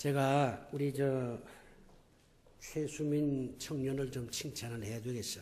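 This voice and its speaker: A man with a dark, mellow tone, somewhat breathy, with ordinary pitch variation and audible room echo. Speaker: pastor. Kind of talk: church announcements. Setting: church.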